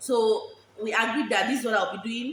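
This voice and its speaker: In a Nigerian accent, a woman speaks at a moderate pace with fairly high pitch and ordinary pitch variation. Noticeable background noise and audible room echo fill the recording. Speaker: vlogger. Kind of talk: personal testimony vlog. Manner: halting, repetitive.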